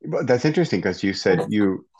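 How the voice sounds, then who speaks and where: A man's voice: fairly low pitch, expressive, a little fast, darkish tone, husky. A man hosting a casual podcast conversation, open and encouraging, with frequent affirmations for his guest. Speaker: podcast host. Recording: dull lo-fi audio.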